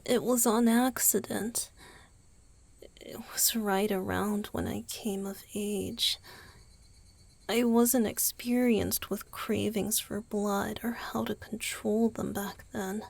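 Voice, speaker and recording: A woman voicing a gentle, youthful male vampire boyfriend in a romantic ASMR roleplay, soft and hesitant. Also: medium pitch, steady tone, slow pace, no room sound. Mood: wistful, confessional. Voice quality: soft, breathy, husky. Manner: hesitant, tender, sighing delivery.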